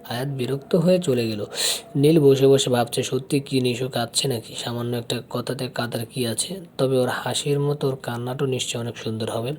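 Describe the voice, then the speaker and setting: A man reading a romantic story aloud in scripted narration, with a steady, even delivery. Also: mid-range voice, brisk, a little hiss or hum.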